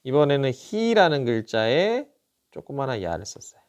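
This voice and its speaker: A middle-aged male teacher giving a recorded lesson, patiently asking questions and then answering them himself, repeating each syllable slowly and clearly. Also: mid-range voice, very animated. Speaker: Japanese teacher.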